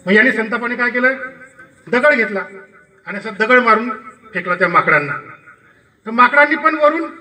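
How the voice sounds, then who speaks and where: A man at an outdoor village campaign rally, telling a folk tale to the crowd in a lively storytelling manner. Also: very high voice, moderate pace, pauses often, distant mic, low-quality recording. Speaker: campaign speaker.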